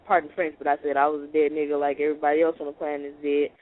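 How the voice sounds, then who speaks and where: High-voiced man on a tinny phone. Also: monotone, racing. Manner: earnest, rambling, acts out quotes. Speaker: caller. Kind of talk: casual storytelling. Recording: tinny phone line with faint hiss.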